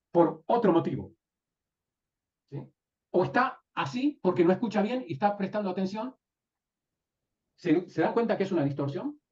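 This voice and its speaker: A man teaching a live class, often pausing to ask his students whether they follow. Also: high-pitched, a little mellow. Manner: asks the class frequent checking questions. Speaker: NLP teacher. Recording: distant, dull lo-fi room recording.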